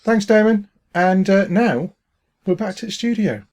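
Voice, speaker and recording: A man's voice: high-pitched, lively intonation, unhurried, a little mellow. A man hosting a casual interview, easygoing and hesitant with many fillers. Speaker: host interviewing a guest.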